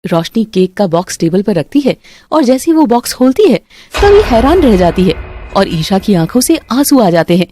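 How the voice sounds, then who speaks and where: A woman's voice: medium pitch, moderate pace, background noise. A woman narrating a family drama and voicing its characters in a dramatic manner. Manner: dramatic, switches between calm narration and quarrelsome voices. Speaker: narrator and voice of several women. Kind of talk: Hindi family-drama storytelling with voiced parts.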